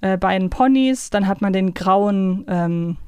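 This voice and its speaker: A woman's voice: medium pitch, unhurried, dark tone, smooth, dry recording. Woman podcast co-host, dry close sound. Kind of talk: casual podcast discussion.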